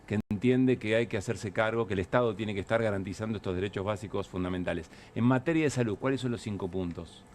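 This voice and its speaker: Low-voiced Argentine talk show host. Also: male voice, fast, hardly any pauses, darkish tone, slight background noise. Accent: Argentine Spanish. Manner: pointed questions, provocative. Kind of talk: political talk show hosting.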